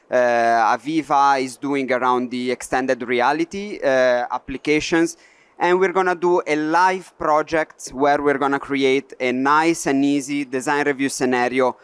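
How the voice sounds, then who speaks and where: A man's voice: on the high side, clear, resonant tone, dry recording. A man from Italy with an Italian accent, presenting a live workshop demo on a trade fair stage, hesitant with frequent fillers. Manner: hesitant, many "uh" fillers, non-native phrasing.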